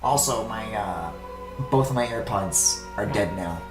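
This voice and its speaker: A man's voice: lowish voice, a little slow, reverberant, over music. A young man streaming himself drawing, chatting casually, swearing and trailing off mid-thought. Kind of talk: casual chat while drawing.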